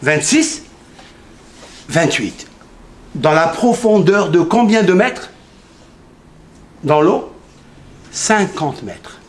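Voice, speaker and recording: A man's voice: a little high, very animated, very slow, pauses often. A man giving a Torah lesson in a synagogue, firing questions at his listeners, answering them himself and repeating key numbers emphatically. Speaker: rabbi teaching a Torah class. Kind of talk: lively Torah lesson to a congregation.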